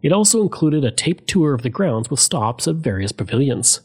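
A man narrating a scripted history documentary, telling it in a lively storytelling way. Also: mid-range voice, normal speed, very noisy. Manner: lively storytelling, reads out quotes.

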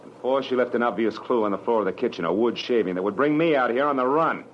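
A man acting a wry, world-weary private detective in a 1940s radio drama, with clipped, slangy, deliberate delivery. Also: medium pitch, slight background noise, natural voice. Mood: grim, wry. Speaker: lead actor and narrator. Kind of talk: 1940s radio drama acting, first-person noir narration. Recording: muffled old radio broadcast, music behind.

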